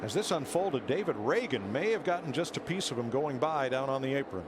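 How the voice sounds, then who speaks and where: A man's voice: mid-range voice, expressive, a little fast. A man working as a motorsport commentator, calling a race live on a broadcast. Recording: noisy trackside broadcast, engine roar. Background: race cars and outdoor track noise.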